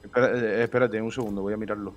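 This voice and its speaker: A man chatting casually with friends over a choppy, robotic low-quality voice chat stream. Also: level tone, racing.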